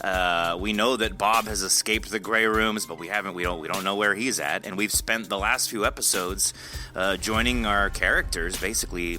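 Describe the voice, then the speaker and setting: Low, very bright male podcast host. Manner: halting, informal, mildly sweary. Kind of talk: casual behind-the-scenes discussion.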